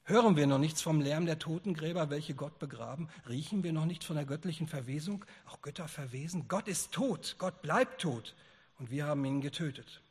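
A frantic madman, read aloud by a man pours out urgent rhetorical questions, pitched up and raised in volume. The voice is husky. A long reverb from a large hall trails every line. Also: moderate pace. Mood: grave. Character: frantic madman proclaiming God's death, male.

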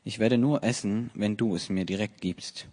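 A curt, demanding young prince in a scripture reading, voiced by a man close to his own low voice. The delivery stays plain and measured. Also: fairly even intonation, mellow, natural voice. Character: young prince, scheming and then harsh, male.

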